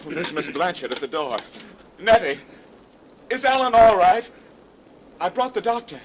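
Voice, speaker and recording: A man's voice: sits high, very animated, moderate pace, noisy background. An actor playing an earnest young man with theatrical, emphatic delivery in 1930s radio drama style, on an old broadcast recording. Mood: alarmed. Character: earnest, anxious young man fearing for his brother.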